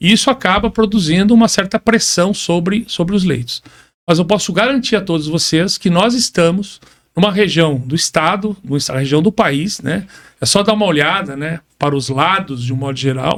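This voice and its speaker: Here is a man with a high pitch and lively intonation. His pace is moderate. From Rio Grande do Sul, southern Brazil. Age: 60s. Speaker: intensive care physician. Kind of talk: interview. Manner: hesitant, frequent fillers and repetitions.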